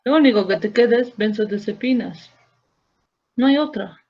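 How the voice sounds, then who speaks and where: Female lecturer, gravelly edge, keeps checking in with the class, muffled lo-fi sound. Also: fairly high pitch, moderate pace. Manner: explains step by step, checks in with rhetorical tag questions and quizzes students. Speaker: medical lecturer. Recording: dull lo-fi recording.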